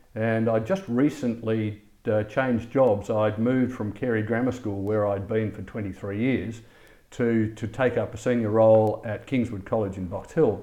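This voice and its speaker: With an Australian accent, a man speaks at a moderate pace in a dark, mellow tone with fairly even intonation. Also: medium pitch for a man. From Australia, Melbourne (Hawthorn). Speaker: community club president, retired teacher. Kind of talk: radio interview.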